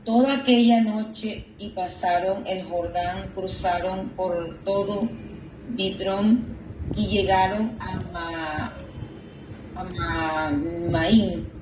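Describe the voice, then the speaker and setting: A woman reading scripture aloud in a Bible class, haltingly, stumbling over names. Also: fairly low pitch, steady tone, a little mellow, echoey room. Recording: distant, dull, noisy room.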